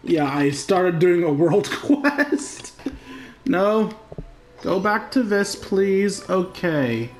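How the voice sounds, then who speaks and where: Young guy gaming and rambling, kinda high voice, jokes at himself, cusses when stuck. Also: big pitch swings, drawn-out words, a little hiss or hum. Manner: chatty, self-mocking, swears when frustrated. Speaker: gamer. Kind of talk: let's-play commentary.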